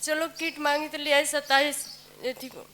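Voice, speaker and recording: A woman's voice: high-pitched, little pitch movement, normal speed, pushed and bright. A woman giving an emotional personal testimony in a pleading, rambling way.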